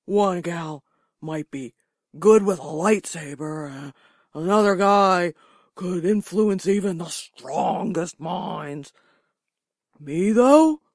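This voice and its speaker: A woman's voice: lowish voice, animated, slow pace, darkish tone, no room sound, clean studio sound, heavily acted. A woman playing a sly, boastful woman with mystical gifts, wry and teasing.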